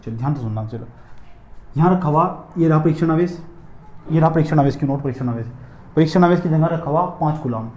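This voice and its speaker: A man's voice: a little high, quick pace, reverberant, lo-fi sound. A man teaching physics in a classroom lecture, repeating points and drilling his students with questions and answers.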